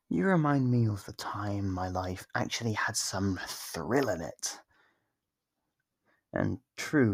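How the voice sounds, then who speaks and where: An actor voicing a smug, possessive, centuries-old vampire in an ASMR roleplay, slow and condescending, with a gravelly, husky voice and whispered phrases. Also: low-pitched, no echo, clean studio sound, full character voice. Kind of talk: ASMR roleplay monologue to the listener.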